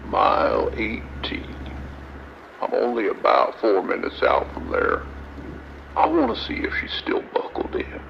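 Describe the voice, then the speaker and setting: An actor playing a sinister, gleeful trucker with a morbid streak, taunting in a theatrical drawl over CB radio in a radio drama. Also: male voice, lowish voice, wildly swooping pitch, a little slow, gravelly, muffled recording, a little hiss or hum, heavily acted. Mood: sinister, coaxing.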